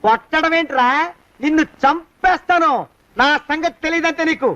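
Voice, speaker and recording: An actor playing a cheeky young man who loudly needles and blackmails his creditor in a comic film scene. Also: very high-pitched, normal speed. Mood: scornful. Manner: loud, needling, repeats a taunt. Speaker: film character, a debtor's son pressing a moneylender. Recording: dull film soundtrack.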